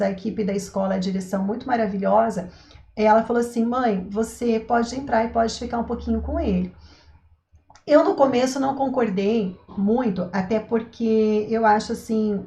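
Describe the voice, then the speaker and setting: A woman's voice: on the high side, a little mellow, reverberant. A woman, a parenting educator, talking casually to camera. She asks rhetorical questions and keeps checking in with her listeners. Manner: chatty, asks rhetorical questions, says "né" and "tá" often. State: throat itch, coughs now and then.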